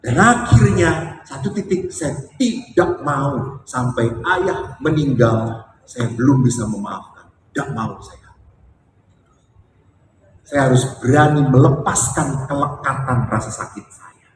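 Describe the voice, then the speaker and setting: A Catholic priest giving a homily as a story, joking with the congregation and then turning soft and heartfelt. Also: male voice, medium pitch, expressive, takes it slowly, a little hiss or hum. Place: church or hall before a congregation. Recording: echoey hall, speaker far from mic.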